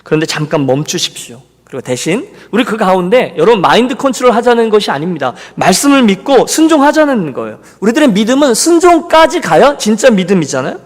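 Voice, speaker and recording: A man's voice: high-pitched, sing-song, fast talker, hardly any pauses. A male pastor giving a Sunday sermon, telling a story and voicing the people in it. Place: church sanctuary. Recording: long reverb of a church hall.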